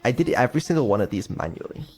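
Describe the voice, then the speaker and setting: Male dev-streamer, mid-pitched, hesitant and rambling, drops casual swears. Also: sing-song, rapid-fire, slightly rough. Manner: rambling, hesitant, many ums, offhand swearing. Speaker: developer and streamer. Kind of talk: casual live stream update.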